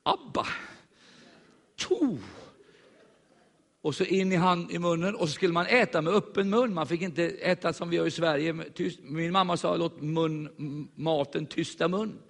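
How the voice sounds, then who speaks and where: A man with a high voice tells a story from the pulpit, jumping into the voices of the people he met. His sermon rings out with a long hall reverb around it. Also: creaky. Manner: animated storyteller acting out voices. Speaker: preacher.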